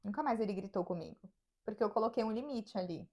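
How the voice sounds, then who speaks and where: Warm and slightly rough, this Brazilian podcast co-host speaks fast at a medium pitch with a Brazilian Portuguese accent, expressively recounting personal stories in casual conversation and performing the voices of people she quotes.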